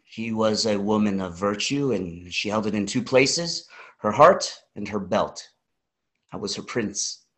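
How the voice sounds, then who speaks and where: A man's voice: on the low side, expressive, a little slow, a bit bright. An actor playing a charming, playful man in his forties who answers with dry, teasing jokes. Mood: wry. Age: 40s. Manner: wry, teasing, lightly joking. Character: charming playful 40-year-old man, hotel owner. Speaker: interviewee.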